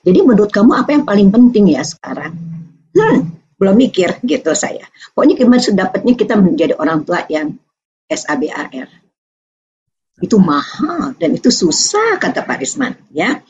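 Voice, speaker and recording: A woman from Aceh, Indonesia, speaking at medium pitch and moderate pace, gives a parenting talk at an online video seminar. Animated, she tells a personal story, acts out the quoted voices, and at times becomes tearful, over muffled lo-fi online meeting audio.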